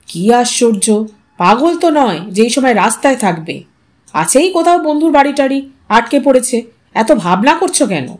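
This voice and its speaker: A woman voicing a calm, teasing middle-aged father with a wry, unhurried manner, in an audio story. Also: a little high, natural voice. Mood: wry, unworried.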